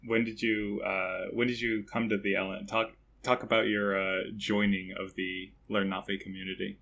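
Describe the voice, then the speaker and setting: Bright-toned male podcast host. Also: lowish voice, normal speed, vocal fry. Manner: relaxed, laughing, filler-heavy questions. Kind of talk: casual podcast interview.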